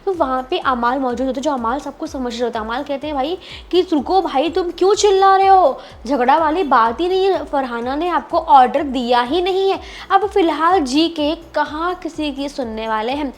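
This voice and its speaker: A woman's voice: high-pitched, normal speed, hardly any pauses. A woman casually recapping a reality show, chatty and repetitive, often addressing listeners as "bhai" and mixing English words into her talk. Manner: mixes English words into Hindi.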